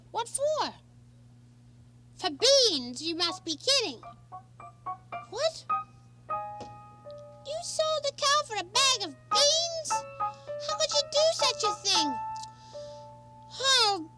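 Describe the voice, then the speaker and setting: A man voicing an excitable young boy who exclaims loudly, over children's music. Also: very high voice, very slow, long pauses, heavily acted. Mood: upset. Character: excitable young boy hero, quick to anger.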